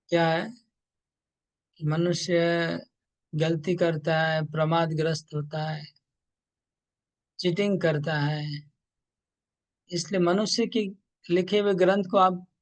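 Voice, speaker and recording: Slow, emphatic man teaching scripture. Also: fairly high pitch. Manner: slow, emphatic, repetitive explaining. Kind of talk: scripture class lecture.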